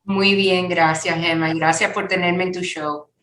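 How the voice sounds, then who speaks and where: A woman's voice: lowish voice, fairly even intonation, unhurried, fairly bright tone, roomy sound, a little hiss or hum. A woman in her sixties from Miami, born in Cuba, with a Cuban-American accent, telling personal stories conversationally as an interview guest. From born in Cuba, raised in Miami. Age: 60s.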